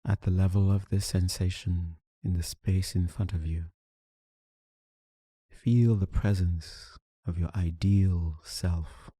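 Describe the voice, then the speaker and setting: A man leading a guided meditation, giving soothing, unhurried instructions with long pauses between phrases. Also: deep voice, steady tone, warm tone, breathy edge, no echo, clean studio sound. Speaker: meditation teacher.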